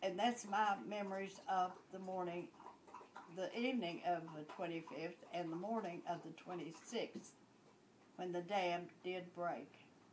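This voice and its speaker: With an Appalachian accent, a woman speaks at a fairly slow pace. Her pitch is medium, with ordinary pitch variation. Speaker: flood survivor. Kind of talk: interview.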